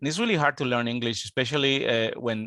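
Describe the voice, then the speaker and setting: A man at a medium pitch with a Colombian accent, dry, close sound with no echo, very clean recording and silent background. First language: Spanish. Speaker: international student advisor. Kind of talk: interview.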